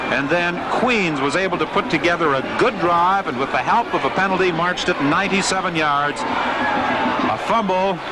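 A man's high, excited voice with ordinary pitch variation, dry sound with no echo and loud background noise. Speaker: play-by-play football commentator. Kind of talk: live sports commentary, 1978 broadcast. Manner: rapid, excited, clipped play-by-play, rising at big plays.

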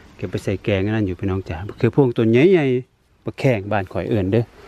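A man's lively intonation in a dry sound with no echo. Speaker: vlogger showing family garden. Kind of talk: casual vlog chat. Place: garden. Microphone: phone near.

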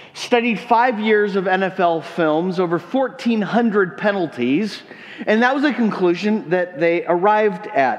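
This man has a high-pitched voice. He speaks at a fairly slow pace. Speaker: lead minister. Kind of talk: sermon. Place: church.

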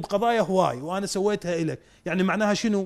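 A high-pitched man with an Iraqi accent at a fairly quick pace, ordinary pitch variation, quiet background. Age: young. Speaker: historian and author; guest. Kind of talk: interview. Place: studio. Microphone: lapel.

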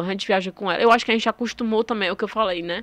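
The dry sound with no echo carries a woman speaking at a medium pitch with ordinary pitch variation. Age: 30s. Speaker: digital content creator. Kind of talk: interview conversation. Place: studio. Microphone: studio mic.

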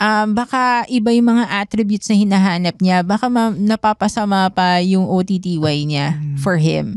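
Against a quiet background, a woman speaks at a moderate pace with hardly any pauses. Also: ordinary pitch variation, dry sound with no echo. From Philippines. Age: 40s. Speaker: career coach. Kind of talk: casual chat. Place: studio. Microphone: studio mic.

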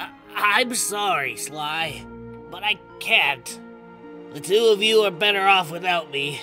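Clear music plays in the background. A man performs a put-on character voice at a high pitch. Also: fairly slow pace. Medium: dub. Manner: stammering, formal.

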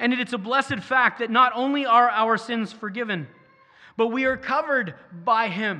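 A raised, projected voice with a bright, sharp tone. It moves at a moderate pace. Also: man, extremely high pitch for a man, ordinary pitch variation. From Saskatchewan, Canada. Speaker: pastor. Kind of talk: sermon. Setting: church. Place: church. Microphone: headset.

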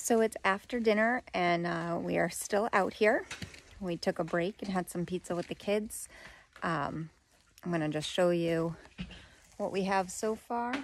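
Fairly slow speech with long, frequent pauses and ordinary pitch variation, dry with no echo, over light background noise. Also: woman. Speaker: homesteader vlogger. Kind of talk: casual vlog chat. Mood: relaxed, cheerful. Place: open country. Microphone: phone near.

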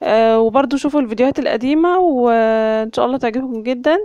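Against a quiet background, a woman speaks in a high pitch with a dark, mellow tone and ordinary pitch variation. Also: dry sound with no echo. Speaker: home cooking vlogger. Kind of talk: tutorial. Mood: warm, friendly. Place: kitchen. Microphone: phone near.

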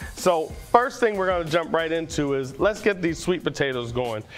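A man is speaking at a moderate pace. Music plays in the background. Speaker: TV chef host. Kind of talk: cooking tutorial. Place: studio. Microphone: lapel.

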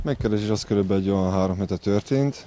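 Very deep and low, a man's voice has a dark, mellow tone. He speaks at a fairly quick pace, and the sound is dry with no echo. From Hungary, Nyíregyháza. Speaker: former volleyball player. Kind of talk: interview. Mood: calm, earnest. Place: garden. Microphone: handheld.

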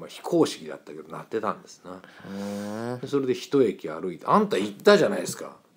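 Speaking with a Kansai accent, a man uses a medium pitch at a fairly quick pace. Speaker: motorcycle touring vlogger. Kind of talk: casual narration over photos. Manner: relaxed, chatty.

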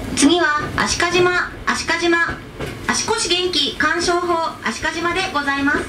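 Over loud background noise, a woman speaks in a raised, projected voice at an extremely high pitch. Her pace is fairly slow and her intonation fairly even. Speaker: train announcement voice. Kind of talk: train station announcement. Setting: train announcement. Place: train.

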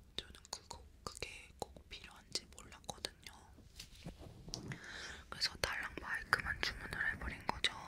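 A woman whispers at a very slow pace. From Korea. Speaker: ASMR creator. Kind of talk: ASMR whisper video. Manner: whispered. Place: home room. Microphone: studio mic.

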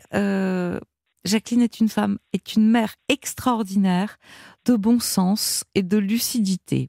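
A woman speaks at a very slow pace with very even loudness. The background is quiet. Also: dry sound with no echo. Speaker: radio host. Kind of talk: late-night call-in show. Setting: studio. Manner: warm. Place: studio.

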